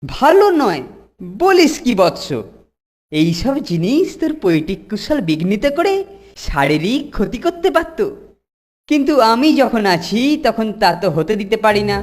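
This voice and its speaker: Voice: mid-range voice, big pitch swings, measured pace. An actor voicing a sly, gluttonous older boy in a cartoon, smug and pompous with a mock-pious, theatrical manner. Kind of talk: cartoon voice acting. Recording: loud music bed behind voice.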